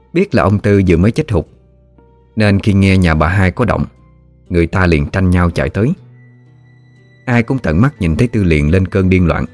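A man narrating a ghost story in a steady, unhurried way. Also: deep voice.

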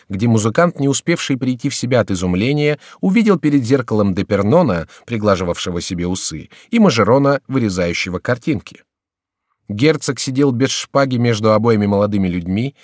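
A man narrating an audiobook with an expressive, animated reading. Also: mid-range voice, no room sound, clean studio sound.

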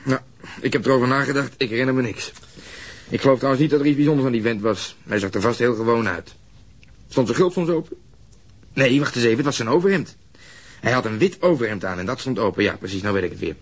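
An actor playing a gruff, irritable, dismissive police detective in a radio drama, blunt and defensive. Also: male voice, medium pitch, lively intonation, quick pace. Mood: mocking, amused. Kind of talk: naturalistic Dutch radio drama acting.

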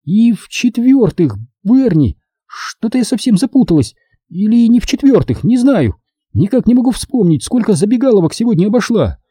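A man's voice: high voice, very animated, moderate pace, warm tone, slightly rough, no echo, clean studio sound, pitched above the performer's own voice, full character voice. A man reading an audiobook, voicing a tipsy young woman who rambles indignantly through her points. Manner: drunken rambling, counting points.

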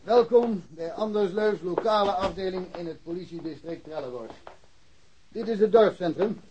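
An actor playing an easygoing, good-humoured small-town policeman, jovial and unhurried, in a naturalistic radio drama. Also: high voice, background noise, natural voice. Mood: welcoming, practical.

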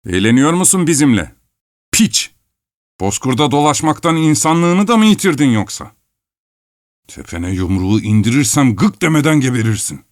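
A man puts on a quarrelsome grown vagabond with a raised, pushing voice. He talks bluntly and with scorn, quick to threaten a fight. It sounds dry and close, like a storybook read at the mic. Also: mid-range voice, very animated, no room sound, voice pushed up. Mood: furious. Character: gruff hot-tempered grown male vagabond.

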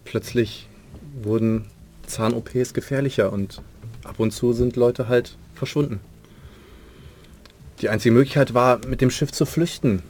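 A man's voice: medium pitch, fairly even intonation, unhurried, pauses often, a little mellow, a little hiss or hum, natural voice. A man playing a nervous dentist on the run, who rambles hesitantly and protests his innocence. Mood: rambling. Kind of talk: in-character roleplay.

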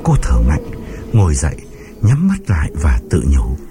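A man's voice: rumbling low, huge pitch swings, normal speed. A man narrating a ghost story in a suspenseful, dramatic audiobook style, over background music.

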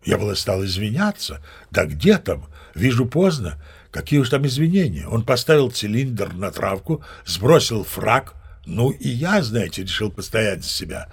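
An actor playing a seasoned old sea captain who narrates tall tales as a chatty, mock-dignified raconteur. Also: male voice, fairly low pitch, very animated, normal speed, gravelly, breathy edge, heavily acted. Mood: chatty, wry. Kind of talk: dramatized storytelling narration.

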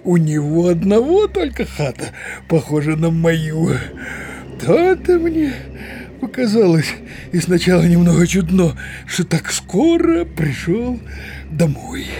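A grumbling older village man for a radio play. He talks slowly with a creaky edge, hemming and muttering to himself. He sounds muddled and cowardly, yet full of bluster, over faint background noise. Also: sits high, big pitch swings, mellow, exaggerated voice. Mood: puzzled, dawning realization. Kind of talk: theatrical audio drama acting.

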